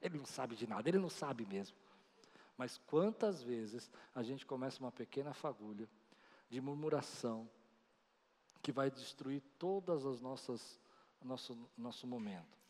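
Pastor preaching in a big hall. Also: male voice, medium pitch. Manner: animated storytelling, acting out quoted voices. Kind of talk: sermon. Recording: long reverb of a large hall.

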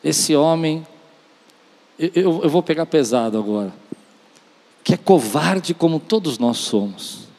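High-voiced man preaching in a reverberant hall. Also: lively intonation, measured pace, vocal fry, pauses often, a little mellow. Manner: emphatic, with repetition and acted-out dialogue. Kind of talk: charismatic church sermon. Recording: long reverb of a large hall.

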